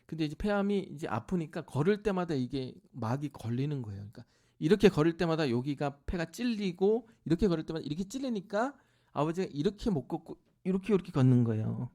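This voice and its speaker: A man's voice: a little high, fast. A middle-aged man preaching as a pastor, telling a personal family story and acting out voices, sometimes dropping to a near-whisper. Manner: acts out family members' voices in lively bursts, drops to near-whisper at tender moments. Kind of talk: sermon storytelling. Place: church sanctuary.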